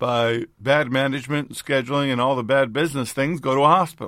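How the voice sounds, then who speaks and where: A man with an unremarkable speaking voice, medium pitch, fairly even intonation and a fairly quick pace. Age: 60s. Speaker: radio Bible teacher. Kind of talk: Bible study sermon. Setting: studio.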